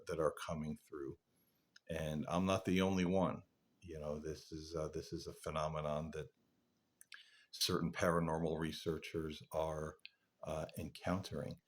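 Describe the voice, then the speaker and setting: A man hosting a paranormal channel, talking casually and reflectively to viewers in an earnest, halting, rambling way. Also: a bass voice, husky. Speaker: paranormal investigator and channel host.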